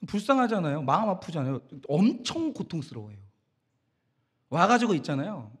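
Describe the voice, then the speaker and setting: A man's voice: on the high side, very animated, moderate pace, slightly rough. A man preaching a Sunday sermon as pastor, emphatic and direct, asking the congregation rhetorical questions. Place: church sanctuary.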